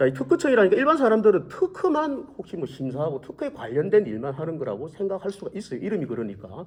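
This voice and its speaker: Speaking with a Gyeongsang accent, a man talks at a very fast pace with hardly any pauses and a high pitch. His voice has very wide pitch swings and big swings in loudness, over noticeable background noise. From South Korea, Gyeongsang region. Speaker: patent examiner. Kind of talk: interview answering student reporters. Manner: explanatory, many filler words.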